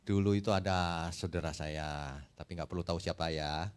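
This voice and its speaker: A man's voice: low-pitched, normal speed, clean tone. A middle-aged male pastor preaching a sermon, telling stories and acting out the quotes. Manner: lively storytelling with acted-out quotes.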